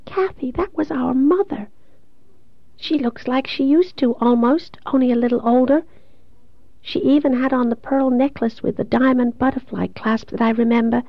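Woman performing a dying young woman, audiobook drama, high faint voice, childlike, despairing, slightly muffled recording. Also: creaky, no echo, heavily acted. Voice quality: faint, thin, whispery. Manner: halting, childlike, plaintive.

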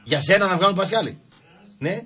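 A man with a husky, high-pitched voice appears as a guest storyteller in a radio studio, casually telling comic anecdotes. He is animated and acts out the voices of the people in his stories.

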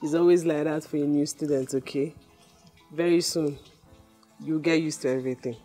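A woman's voice: deep voice, steady tone, normal speed, mellow, faint music behind. An actress with a Nigerian accent playing an emphatic mother in a film drama, given to scolding and reassuring. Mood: gentle, advising. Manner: emphatic, repeats rhetorical questions and tag words.

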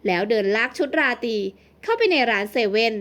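A woman narrating an audio novel in a steady, expressive storytelling voice. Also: on the high side, brisk. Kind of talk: scripted narration.

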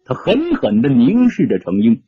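A man's voice: mid-range voice, wildly swooping pitch, moderate pace, slightly rough, no echo, phone-quality sound. A man narrating an audiobook story dramatically, shifting his tone with the action.

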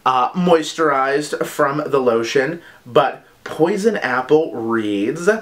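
A man hosting a casual product review vlog, chatty and gushing, with quick asides. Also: mid-range voice, animated, fairly bright tone. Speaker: vlog host reviewing body care products.

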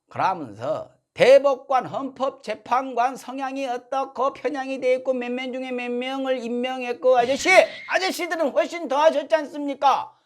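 A man in his speech, hosting a satirical political monologue. He is sarcastic and mock-polite, indignant outbursts. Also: extremely high pitch. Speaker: political commentary host.

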